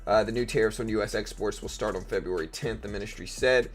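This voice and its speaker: A man with a raspy voice hosting a live trading stream, chatting casually with viewers and reading news aloud in a rambling, think-aloud way. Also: fairly low pitch, fast talker. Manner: rambling, thinks aloud and asks chat questions.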